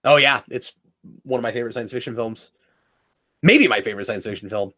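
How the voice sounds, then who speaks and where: A man co-hosting a casual commentary chat, playful and animated, sometimes shouting silly character voices. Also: medium pitch, a little fast. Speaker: podcast co-host.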